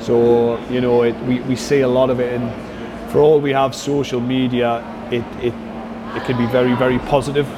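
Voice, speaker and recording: A man's voice: mid-range voice, flat delivery, moderate pace, background noise. A man speaking as a performance coach in an interview, explaining things conversationally and circling back with frequent "you know".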